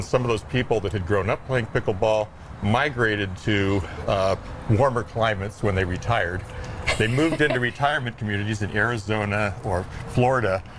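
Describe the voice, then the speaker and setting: A man's voice: on the low side, a little hiss or hum. A man speaking as a sports instructor, explaining things informally in a live TV interview. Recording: music playing behind the voice. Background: background music.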